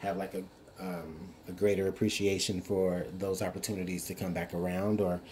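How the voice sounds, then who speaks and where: A man talks at a fairly quick pace in a very deep, low, somewhat breathy voice with a dark, mellow tone and monotone, flat intonation. Light background noise can be heard. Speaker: tarot reader. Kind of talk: tarot reading monologue. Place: home room. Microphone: camera far.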